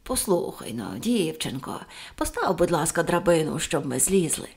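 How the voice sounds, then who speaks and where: A woman's voice: deep voice, very animated, moderate pace, a little mellow, slightly rough, pitched below the performer's own voice, exaggerated voice. A woman voicing a grown-up male policeman in an audiobook, speaking in a coaxing tone. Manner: coaxing, then threatening.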